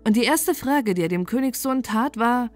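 A woman storyteller reading a fairy tale aloud in a calm, soothing bedtime manner. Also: fairly high pitch, normal speed, faint music behind.

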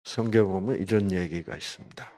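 A man's voice: sits low, brisk, mellow, a little hiss or hum. A man giving a conversational Bible lecture at a health program. He poses rhetorical questions and addresses listeners by name.

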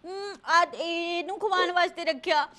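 A woman voicing a cheeky little boy who whines and begs to be adopted, with quick comebacks. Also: very high voice, steady tone, a crowd in the background. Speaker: comedy show host.

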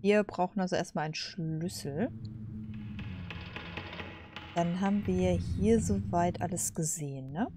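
A woman's voice: fairly low pitch, unhurried, long pauses, music in the background. A woman giving casual, chatty let's play commentary, musing aloud as she plays. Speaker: gaming host.

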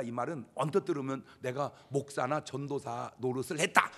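A male pastor preaching a sermon in a church sanctuary, animated and acting out prayers as he goes. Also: fairly high pitch. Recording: long church hall reverb.

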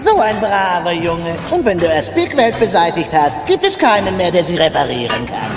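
Domineering, high-pitched villainous robot mother. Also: sing-song, normal speed. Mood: doting, sly. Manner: domineering, mock-sweet, barking orders. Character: tyrannical scheming robot mother, villainous boss of a scrapyard. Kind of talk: film dub acting in children's audio play. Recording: echoey reverberant hall, music behind.

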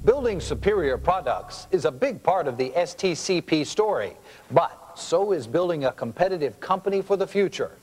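Animated American male narrator over music. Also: fairly high pitch, normal speed, husky. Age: middle-aged. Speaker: corporate video presenter. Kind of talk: scripted industrial film narration. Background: background music.

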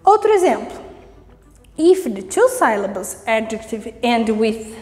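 A woman teaching English grammar in a recorded online lesson, lively and encouraging, reading rules slowly and then explaining them. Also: on the high side, big-room sound. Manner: lively and encouraging, repeating "vamos lá" and "ok?".

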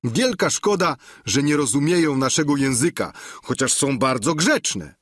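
A man putting on an eager, high-voiced peasant squire. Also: expressive, a little slow, dry recording, clean studio sound. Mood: eager boasting. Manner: high, eager, emphatic telling. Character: boastful simple peasant squire, excited.

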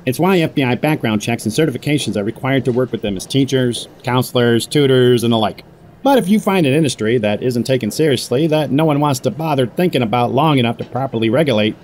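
A man's voice: medium pitch, a little mellow, a little hiss or hum, natural voice. A man playing a smug, corrupt corporate executive delivering a pompous, sardonic monologue in an audio drama. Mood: smug, conspiratorial.

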